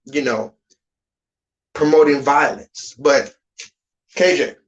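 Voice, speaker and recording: A man ranting on a live stream, profane and rambling, jumping between loud high outbursts and low muttered asides. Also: slow pace, poor audio. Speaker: livestreamer.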